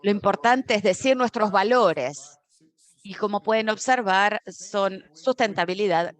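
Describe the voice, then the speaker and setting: A woman giving a simultaneous interpretation of a corporate conference talk, steady but often correcting herself mid-word. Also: mid-range voice. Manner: steady with frequent self-corrections and restarts.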